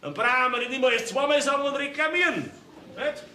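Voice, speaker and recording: An actor with a Bavarian accent playing a bossy, self-righteous middle-aged farmer father who shouts orders, on a theater stage. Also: very high-pitched, lively intonation, quick pace, heavily acted. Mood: blustering. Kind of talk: folk theater comedy acting. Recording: echoey stage recording.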